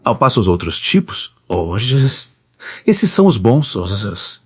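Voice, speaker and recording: A man voicing a stern older mother who lectures her daughter about marriage, in a measured storybook reading. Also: on the low side, big pitch swings, husky, dry recording, clean studio sound, full character voice. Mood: lecturing.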